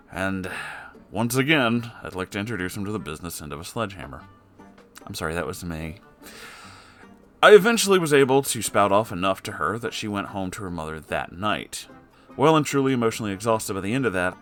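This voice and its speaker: A man's voice: fairly low pitch, fairly bright tone. A man reading a story aloud as a host, breaking in with wry, conversational asides.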